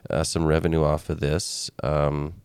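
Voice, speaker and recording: Very deep, gravelly-voiced podcast co-host. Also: male voice, completely flat delivery, normal speed, a little mellow, no room sound, clean studio sound. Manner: rambling, easygoing, with frequent fillers. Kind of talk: casual podcast chat.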